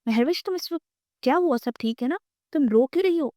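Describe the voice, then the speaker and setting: Woman doing a stern protective young man, sharp scolding, mellow voice, dry sound, audio novel. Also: mid-range voice, no room sound, natural voice.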